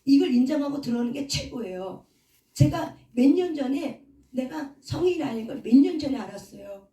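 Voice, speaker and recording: Woman pastor preaching in a roomy hall, mellow and a bit high, mic kinda far off. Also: lively intonation, normal speed. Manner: asks the audience questions and answers them herself. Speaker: pastor and counselor. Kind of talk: sermon.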